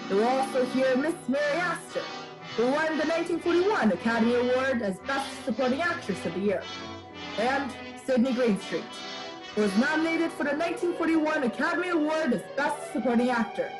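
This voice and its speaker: A woman playing a formal 1940s radio show announcer, grand and measured in her presentation. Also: high voice, close to an everyday voice, low-quality recording. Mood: grand, promotional. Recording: loud music under the voice. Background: loud music.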